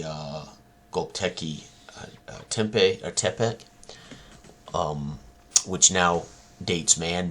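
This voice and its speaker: A man presenting his own tabletop roleplaying game in casual talk, halting with many ums and uhs. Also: very deep voice, pushed and bright, husky.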